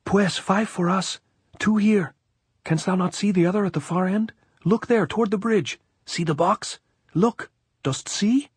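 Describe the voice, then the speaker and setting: A man voicing a nervous, excitable gypsy guerrilla who chatters in old-fashioned phrasing in an audiobook. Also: high-pitched, measured pace, slightly rough, dry recording, voice pushed up. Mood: excited. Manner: excitable, raised voice, archaic phrasing.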